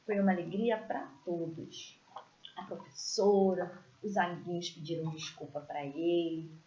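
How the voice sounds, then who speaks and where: A woman teaching a children's religious class, telling stories in a gentle, expressive way and pointing out pictures as she goes. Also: fairly low pitch, unhurried. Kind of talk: storytelling lesson for children. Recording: echoey room, dull lo-fi sound.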